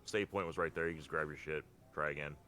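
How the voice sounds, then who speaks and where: A man's voice: very deep voice, fast, a little hiss or hum. A man co-hosting a casual gaming podcast, speaking bluntly with plenty of swearing. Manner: blunt, sweary, animated phrasing. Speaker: podcast co-host. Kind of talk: casual video game discussion.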